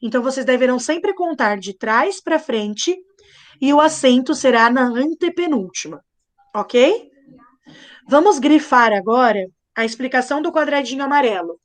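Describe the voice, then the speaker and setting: Young woman, high voice, playful and patient teacher spelling things out slowly for kids. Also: animated. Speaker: primary school teacher. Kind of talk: live online class lesson.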